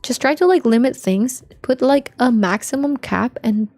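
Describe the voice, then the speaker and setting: A woman livestreamer with a soft, quiet voice, chatting informally and playfully with viewers and swearing now and then. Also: moderate pace, dry recording. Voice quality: soft, low-volume voice, unlike their usual loud one. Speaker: live streamer. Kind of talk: casual livestream chat with viewers. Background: faint music.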